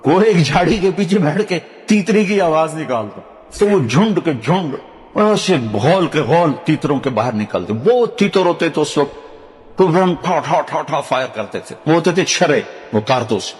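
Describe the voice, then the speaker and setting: An older man from Pakistan with a Punjabi accent, preaching a sermon and telling stories, dropping low to recite Arabic verses. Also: lively intonation, long reverb tail, faint music behind. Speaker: Islamic preacher.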